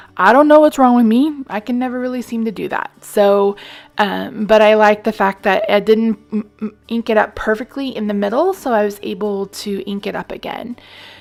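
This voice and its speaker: A woman's plain, everyday voice, fairly high in pitch, at a moderate pace with ordinary pitch variation and hardly any pauses. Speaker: card making crafter. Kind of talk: tutorial. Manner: casual, chatty.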